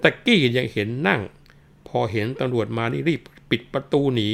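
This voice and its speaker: A man voicing a gruff police officer who shouts rough threats. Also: fairly low pitch, steady tone, moderate pace, natural voice. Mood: bellowing.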